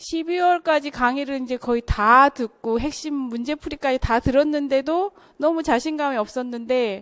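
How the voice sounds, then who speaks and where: In a dry, close sound with no echo, a woman speaks at a moderate pace with hardly any pauses, using a high pitch and ordinary pitch variation. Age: older adult. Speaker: social work exam passer. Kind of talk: testimony at gathering.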